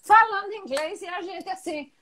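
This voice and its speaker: A woman with a high voice hosts a relaxed interview. She talks in a lively, conversational way and reacts quickly to her guest. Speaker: interviewer, host. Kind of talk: casual video-call interview.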